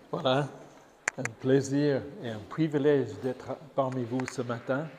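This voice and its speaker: An older man with an English accent, a guest preacher telling a gentle story to children in church. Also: medium pitch. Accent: English-speaking. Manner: gentle, slow and lively storytelling. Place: church hall. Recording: church hall reverb, faint noise.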